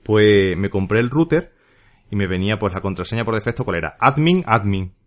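A man's voice: on the low side, animated, a little fast. A man hosting a casual solo podcast, chatty and jokey with playful asides. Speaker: podcast host.

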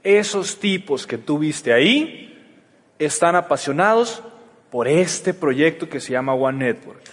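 A man with a Mexican accent giving an energetic motivational seminar talk in colloquial slang, acting out little dialogues as he goes. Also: on the high side, takes it slowly, big-room sound, slight background noise. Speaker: motivational business speaker.

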